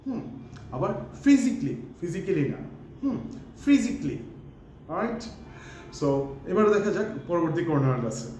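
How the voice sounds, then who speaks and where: A man's voice: high-pitched, sing-song, a little fast, pauses often, a little mellow, very echoey, a little hiss or hum. A man with a Bangladeshi accent teaching English pronunciation in a casual lesson, mixing English phrases in and stretching out words to model them. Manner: mixes English into talk, many fillers, stretches words to model sounds.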